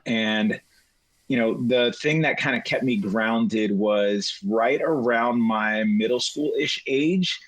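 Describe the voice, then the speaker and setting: A middle-aged man as a guest on a casual chat, talking at length and hesitating often with fillers and restarts. His voice sits at an ordinary middle pitch. It sounds dry and close to the mic. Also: no echo, rough recording. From United States. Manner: rambling, hesitant, many fillers.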